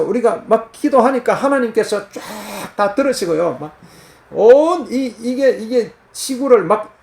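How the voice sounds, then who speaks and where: A man's voice: high voice, darkish tone. A man preaching a fervent, earnest sermon in the countryside. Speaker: pastor. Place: countryside, crickets and cicadas heard outside.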